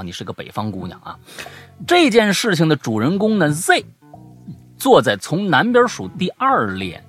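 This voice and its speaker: An excitable man hosting a casual storytelling podcast, his pitch leaping up and down as he reads. He often stumbles and repeats words when he gets worked up, and faint music plays underneath. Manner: lively, stammering, repeats himself when excited. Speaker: podcast host reading listener stories.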